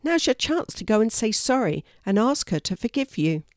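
A woman voicing a kind, calm male animal who gently reassures his friends in a children's story. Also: fairly high pitch, normal speed, dry recording, clean studio sound, pitched above the performer's own voice. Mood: kindly. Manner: gentle, encouraging.

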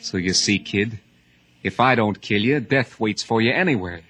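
A man's voice: on the low side, moderate pace, bright, forceful tone, slightly rough, soft background music. A man playing a hardened, menacing escaped bank robber in 1950s radio drama style, speaking in clipped tough-guy phrases.

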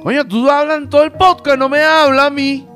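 A man voicing a pushy, drunk alter ego of himself who shouts over the host. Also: very high-pitched, flat delivery, fairly quick, pitched above the performer's own voice. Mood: bossy shouting. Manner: shouting over the other, bossy. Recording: loud music and canned applause behind.

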